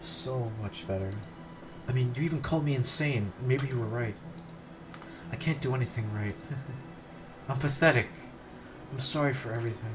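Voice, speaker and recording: Guy putting on a hopeless teen schoolgirl, pleading, pitched up a bit, noisy background. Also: moderate pace, lightly acted. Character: despairing teenage schoolgirl on a rooftop ledge.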